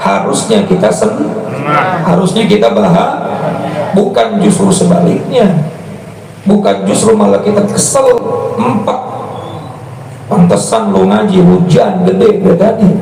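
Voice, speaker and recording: Amid audible room echo and noticeable background noise, a man talks at a fairly slow pace with very even loudness. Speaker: Islamic preacher. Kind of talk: religious study lecture. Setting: PA system. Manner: conversational, asks audience questions.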